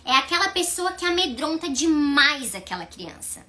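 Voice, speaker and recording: A woman teaches child psychology in a high, bright voice. She lectures in a conversational way, often turning to her listeners with rhetorical questions. Her tone stays clear and forward as she explains each point. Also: very animated, moderate pace. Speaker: psychology instructor.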